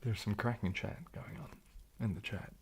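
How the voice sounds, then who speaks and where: A man with a soft New Zealand accent that can pass for British, chatting to viewers on an ASMR livestream in a hushed, breathy, often half-whispered voice, polite and halting. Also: fairly low pitch, fairly even intonation, noisy background. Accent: New Zealand, soft, often taken for British. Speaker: ASMR YouTuber hosting a live stream. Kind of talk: ASMR livestream chat, reading and answering viewer comments.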